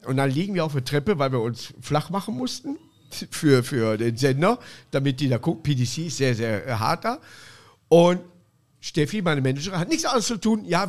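A man hosting a casual podcast chat, telling anecdotes and throwing in quick jokes and punchlines. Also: medium pitch. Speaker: podcast host.

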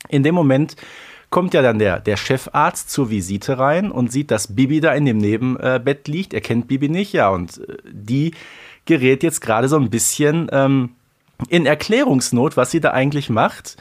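Man, podcast co-host, relaxed chat, mid-range voice. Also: mid-range voice. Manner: relaxed, tags on "ne?". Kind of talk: casual chat.

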